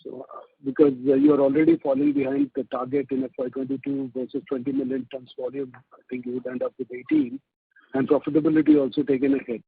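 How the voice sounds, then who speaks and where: A man's voice: fairly high pitch, big pitch swings, fast talker, gravelly, slightly rough, no room sound. A man, an analyst pressing management with persistent questions on an earnings call. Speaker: financial analyst. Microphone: phone. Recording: tinny phone line.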